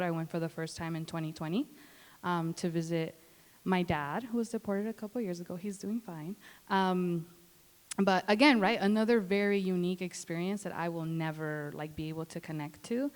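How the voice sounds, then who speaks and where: A woman's voice: lowish voice, clear, resonant tone. A young woman from Los Angeles speaking reflectively on a panel, filling her speech with "like" and "you know". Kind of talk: casual panel talk. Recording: reverberant hall.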